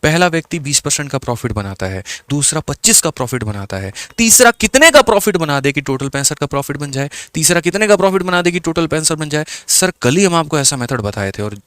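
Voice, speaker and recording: A man's voice: a little high, very animated, fast talker, few pauses, fairly bright tone, clear, resonant tone, dry recording. A man teaching exam-prep maths, explaining step by step and asking the class questions as he works through each answer. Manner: keeps addressing the viewer as "my brother".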